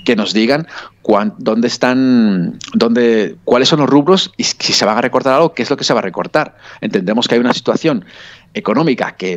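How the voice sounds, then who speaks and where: A man from Spain with a Spanish accent, a researcher speaking haltingly in a phone interview, with many restarts and fillers. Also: fairly low pitch, highs cut off. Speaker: researcher guest.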